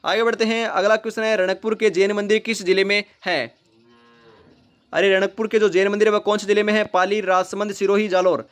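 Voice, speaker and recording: A man teaches an online quiz class with a high, quick delivery. He reads out each question, runs through the options and then hammers home the answer and the option number. He calls his viewers brother and friends as he talks. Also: little pitch movement, fairly bright tone. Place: rooftop, outdoors in early morning. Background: animal and bird sounds.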